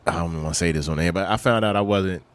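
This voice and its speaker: A man's voice: sits low, fast talker, smooth. A man in his fifties telling stories in casual conversation as a podcast guest, acting out the voices of the people he quotes. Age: 50s. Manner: animated, acts out quoted voices. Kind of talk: casual storytelling.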